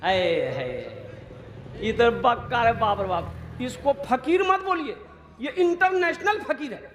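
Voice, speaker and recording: High-voiced rousing male preacher, echoey. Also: lively intonation, slow pace, a bit bright, slight background noise. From Kolkata, India. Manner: rousing, rhetorical, goads the crowd to answer; jokey, mocking asides. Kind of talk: sermon to a gathering.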